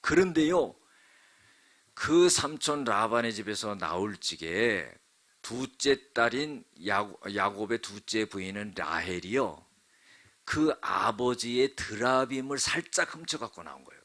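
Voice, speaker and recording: A man's voice: fairly low pitch, expressive, a little slow, bright, forceful tone. A male pastor preaching a sermon, telling the story dramatically with frequent asides to the congregation. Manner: dramatic storytelling, acts out quotes.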